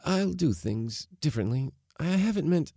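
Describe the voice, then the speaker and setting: A man's voice: fairly low pitch, expressive, slow pace, gravelly, dark tone, no room sound, studio quality, heavily acted. A man voicing a distressed, timid young daughter in an audiobook story, faltering and pleading. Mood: bursting out, pleading.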